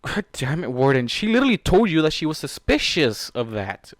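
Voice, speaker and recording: A man's voice: on the high side, big pitch swings, a little fast, no echo, studio quality. A man hosting a fan fiction reading, breaking the story with heated, exasperated, sweary commentary and stumbling over words. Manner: emotional, exasperated asides, stumbles when reading.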